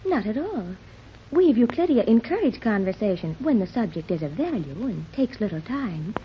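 In a 1930s radio drama, an actress plays a formal, strangely detached teenage girl raised on an odd island. Her voice is high and lively, her phrasing precise and proper, at a moderate pace. The recording sounds dull, with a faint hiss.

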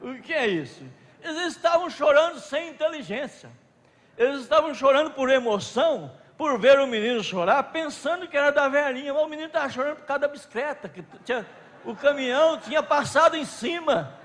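A man with a Brazilian Portuguese accent preaching a sermon to a conference audience, swinging from loud outbursts to soft asides and stretching out words. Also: very high voice, a little fast. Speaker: pastor. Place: large hall at a pastors' conference. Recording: long hall reverb.

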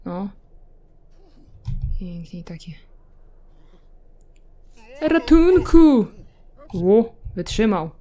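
A woman's voice: mid-range voice, measured pace, a little mellow. A young woman giving casual gameplay commentary, chatting to her game characters with self-mocking asides. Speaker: gameplay video creator.

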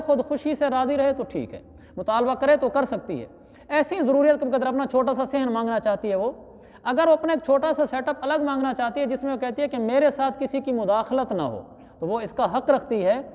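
A man's voice: very high-pitched, darkish tone, dull audio. Male religious scholar, lecture delivery with recited verses and anecdotes; long hall reverb. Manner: storytelling with Arabic recitation and quoted dialogue. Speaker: Islamic scholar giving Quran commentary. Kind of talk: Quran commentary lecture.

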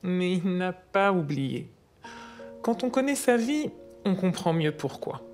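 A woman's voice: lowish voice, very animated, slow, a little mellow. A woman as an older, patient grandmother explaining history to a child in a storytelling way. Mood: patient, explanatory. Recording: music under the voice.

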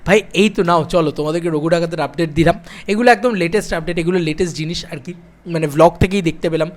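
Young man, high voice, excited vlog chat, repeats phrases in long lists. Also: fast. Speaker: film vlogger. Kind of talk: casual direct-to-camera film chat.

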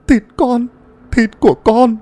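A man voicing the ghost of a dead boy who cries out to his mother in shrill, anguished wails. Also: fairly even intonation, slow pace, warm tone. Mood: anguished wailing. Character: dead boy's ghost, wailing, falling apart.

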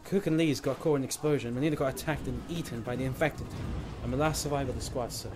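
A man's voice: mid-range voice, fast, lightly acted. A man playing a curt, strained lance corporal in an audio drama, terse and commanding. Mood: grim. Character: curt, strained male soldier, sole survivor of his squad. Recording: clear background noise, amateur audio drama.

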